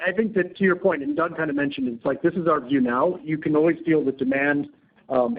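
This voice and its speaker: A man speaking as a company executive answers analysts' questions off the cuff on an earnings call, his voice a little high and narrow. He is halting and hedging, often repeating words, and the thin, band-limited conference line makes him sound tinny.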